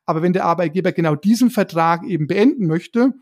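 A man's voice: high-pitched, lively intonation, fast talker, darkish tone. A man from Germany explaining things as a podcast co-host in colloquial, casual talk with everyday examples.

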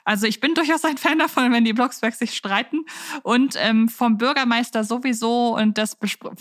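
A woman's voice: on the high side, normal speed, no room sound, clean studio sound. A woman hosting a podcast in casual chat, speaking effusively with some searching for words. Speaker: podcast host.

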